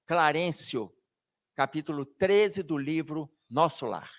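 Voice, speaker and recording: In a lecture hall at a spiritist book fair, a man with a slightly high voice gives a spirited public talk at a slow pace. He is animated and jokey, speaking directly to the audience.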